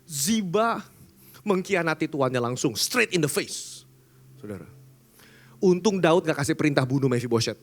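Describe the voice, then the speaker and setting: A man's voice: a little high, expressive, normal speed. A man pastor preaching a sermon in a casual, conversational storytelling manner. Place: church service.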